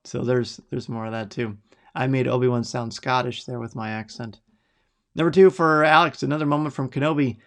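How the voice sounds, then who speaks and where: Middle-aged guy hosting a live podcast from home, reading out viewer picks, all excited. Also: medium pitch, a little fast. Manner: enthusiastic, reads out viewer picks and reacts warmly. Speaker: podcast host. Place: home studio.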